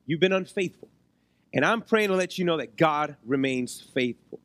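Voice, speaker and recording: Male preacher, high-set hoarse voice, conversational sermon delivery with rhetorical check-ins, dry close-mic sound. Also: animated, normal speed, fairly bright tone, no room sound. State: hoarse, losing his voice, occasional cough. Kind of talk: sermon to a congregation. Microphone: close microphone on a PA.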